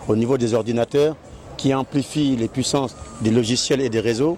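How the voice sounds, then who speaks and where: Over crowd noise in the background, a man talks at a medium pitch. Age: 60s. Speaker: painter presenting his artwork. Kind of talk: interview monologue. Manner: formal.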